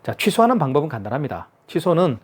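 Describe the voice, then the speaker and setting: A man's voice: on the high side, big pitch swings, fast, husky. A man giving a hands-on product tutorial, explaining each step patiently and repeating himself for clarity. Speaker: product demonstrator.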